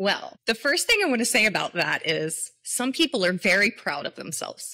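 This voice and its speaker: Loud and bright with a sharp tone, the voice moves at a moderate pace. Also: woman. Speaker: Pilates teacher and studio owner. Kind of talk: interview conversation. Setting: live online show. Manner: loud, projecting.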